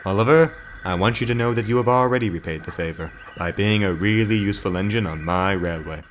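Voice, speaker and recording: A man voicing a stern, fatherly older railway controller, speaking in a firm, measured, formal way, with music behind. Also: on the low side, a little hiss or hum, close to an everyday voice. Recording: background music.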